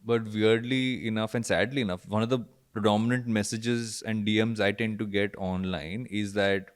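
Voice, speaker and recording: A man with a fairly low voice hosts a reflective conversation. He sounds thoughtful, rephrasing his ideas as he works toward a question. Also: steady tone, normal speed, clear, resonant tone. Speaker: podcast host.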